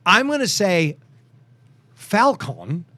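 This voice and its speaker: A man from the United States hosts a casual podcast in a high voice. He reads headlines aloud, then launches into loud, animated rants. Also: takes it slowly, very noisy. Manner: animated, loud and ranting at times. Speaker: podcast host. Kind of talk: casual podcast chat with ranting.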